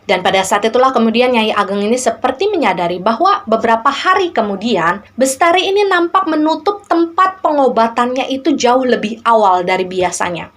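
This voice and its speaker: A woman narrating a tale as a storyteller, in a conversational, emphatic and colloquial way, explaining as she goes. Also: medium pitch. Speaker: storyteller, host.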